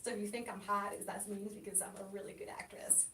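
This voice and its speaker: A woman from Chile whose first language is Spanish, a guest chatting casually in an interview, telling lively stories and laughing often. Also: fast. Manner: lively, laughing anecdotal storyteller. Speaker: guest, actress and comedian. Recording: roomy, distant mic with faint rumble.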